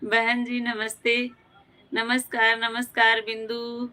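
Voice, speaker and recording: A woman from Uttar Pradesh chats through her live stream, greeting viewers by name and answering their comments one after another. Her voice sits a little high and sounds bright. She keeps a fairly even, level delivery as she talks. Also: takes it slowly. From Uttar Pradesh, India. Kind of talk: casual live chat reading viewer comments.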